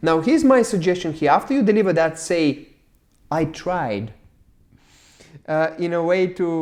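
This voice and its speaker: The speaker has a non-native accent and takes long, frequent pauses. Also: man, high pitch for a man, lively intonation, moderate pace. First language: not English. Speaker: public speaking coach. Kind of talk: one-on-one speech coaching session.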